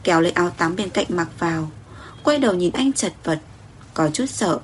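A woman narrating a romance story in a steady, even reading. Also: on the low side, normal speed, slight background noise.

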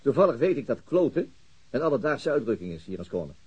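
An actor playing a reserved male police detective in a radio drama, husky, terse and noncommittal. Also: medium pitch, very animated, brisk, darkish tone, poor audio. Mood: dry. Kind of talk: naturalistic radio drama dialogue.

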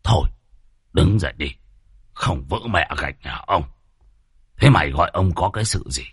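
A man voicing a domineering older village chief who is gruff, bullying and threatening. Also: sits low, expressive, normal speed, dry recording, studio quality, pitched below the performer's own voice, heavily acted. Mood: menacing.

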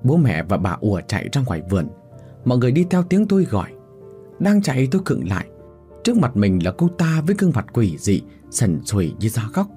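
A man narrating a first-person horror story in a dramatic, expressive way. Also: medium pitch, fairly quick, faint music behind.

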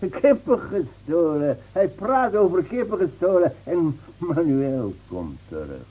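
An actor playing a frightened, muttering village man in a Dutch radio drama, halting and ominous as he repeats himself. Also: fairly high pitch, sing-song, husky, heavily acted. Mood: fearful. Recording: muffled, humming old radio recording.

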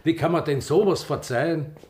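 A man's voice: fairly high pitch, moderate pace, a little mellow, natural voice. An actor playing an embittered older Viennese gay man reminiscing in a naturalistic radio drama, speaking emphatically. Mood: bitter, aggrieved.

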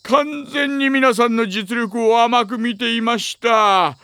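An actor playing a sly, burly aging man in an anime audio drama, unctuously polite and theatrical with drawn-out phrasing. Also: very high-pitched, sharp tone, clear, resonant tone, dry recording, clean studio sound, heavily acted. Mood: gracious, resolute. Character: sly, courteous aging man, burly judo-trained gambler.

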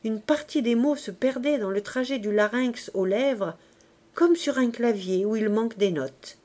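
A woman reading a classic novel aloud in a measured, unhurried narration. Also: a little high, dark tone. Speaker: audiobook reader. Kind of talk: audiobook narration.

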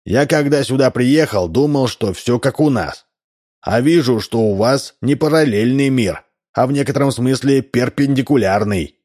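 A man's voice: mid-range voice, normal speed, darkish tone, close to an everyday voice. A man reading aloud and voicing a plainspoken middle-aged man, puzzled and indignant.

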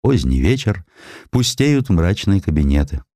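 A male narrator tells a historical tale in a deep, mellow voice. His delivery is dramatised and very expressive in pitch, and the sound is close and dry. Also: measured pace, no echo.

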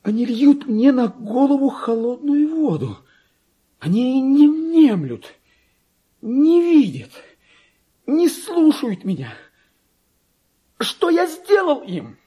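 An actor in a radio play voicing a deluded, tormented clerk who believes he is king, theatrical and volatile, with a husky voice. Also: very high-pitched, exaggerated voice. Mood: anguished, pleading. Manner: theatrical, volatile, swinging from hushed muttering to anguished outcry. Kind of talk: dramatic radio monologue reading of classic literature.

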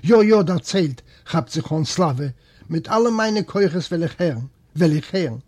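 A man voicing a worn-out male prisoner telling his story in a raised, louder tone with a husky voice. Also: on the high side, expressive, measured pace. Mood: earnest.

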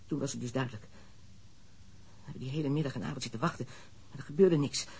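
An actor in a radio drama playing a smuggler who confesses under police questioning, frank and matter-of-fact. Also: male voice, medium pitch, a little fast, vocal fry, darkish tone, breathy edge. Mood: tense. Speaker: suspect.

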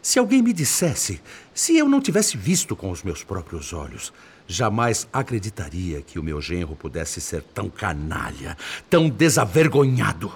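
Hurt indignant older dad, brazilian radio drama, lowish voice that swings all over, very theatrical. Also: male voice, big pitch swings, normal speed, husky, exaggerated voice. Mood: wounded, indignant. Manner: emphatic, theatrical, impassioned. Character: indignant, wounded older father, a spirit, venting grief.

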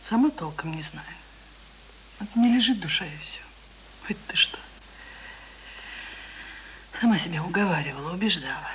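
A woman playing a tender, anxious village mother in a radio drama, speaking in a hushed, sighing, folksy way. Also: fairly low pitch, lively intonation, moderate pace, pauses often, slight background noise, rough recording. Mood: troubled, firm. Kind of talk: Soviet-style radio drama acting.

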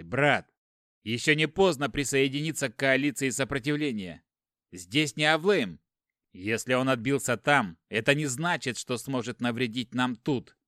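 A man's voice: medium pitch, pushed and bright, no echo, clean studio sound. A man voicing a furious, hot-tempered captive warrior lord who hurls defiant accusations.

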